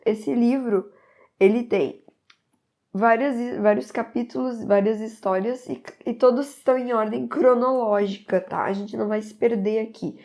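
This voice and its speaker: A woman's voice: a little high, steady tone, normal speed, darkish tone. A woman, slightly stuffy from a cold, recommending a book in an enthusiastic, rambling way. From southern Brazil. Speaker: book reviewer. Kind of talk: casual book recommendation to camera.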